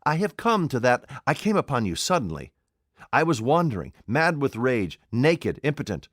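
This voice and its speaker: Pitching above his own natural voice into a mid-range, sing-song delivery, a man performs an audiobook character: a desperate, commanding invisible man, an adult male. His lines come curt, cold and imperious at a moderate pace, with an intense mood. The sound is studio quality with no echo.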